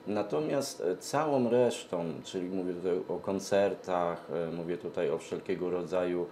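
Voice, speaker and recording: A middle-aged man answers interview questions hesitantly, pausing often mid-sentence. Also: low voice, mellow, a little hiss or hum. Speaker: event organizer, interview guest. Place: TV studio, seated at a glass desk. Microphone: lapel mic.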